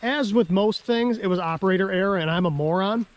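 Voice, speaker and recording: An American man, out of breath after a hike, vlogging outdoors in a chatty, self-deprecating way and clearing his throat often. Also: high voice, fairly quick. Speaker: ham radio vlogger. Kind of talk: casual outdoor vlog. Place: outdoors on a dam in a park.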